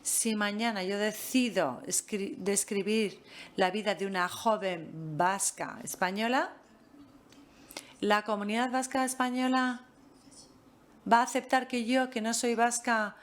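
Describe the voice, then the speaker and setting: A woman lectures at a master class. She talks in a measured, deliberate way and often stops on a filler. Her voice sits at an ordinary middle pitch. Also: fairly even intonation. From France. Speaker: guest lecturer.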